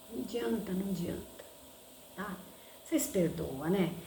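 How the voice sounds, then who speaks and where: A woman talks in a room with audible echo, and noticeable background noise is present too. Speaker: vlogger. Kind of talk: casual chat. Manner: loud; talkative, filler-heavy.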